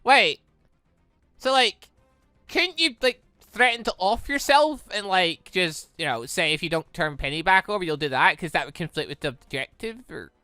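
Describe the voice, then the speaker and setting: A man giving casual, animated let's play commentary with exclamatory reactions as he reads a visual novel aloud. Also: high-pitched, moderate pace, clear, resonant tone, no room sound, faint music behind.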